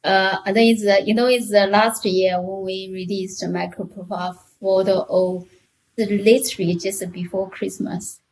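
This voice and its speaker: A woman with a Chinese accent chatting as a podcast guest in a halting, hesitant way. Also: mid-range voice, level tone, a little mellow, poor audio. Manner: halting, hesitant, many short restarts. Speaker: podcast guest, technical author. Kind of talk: casual interview chat.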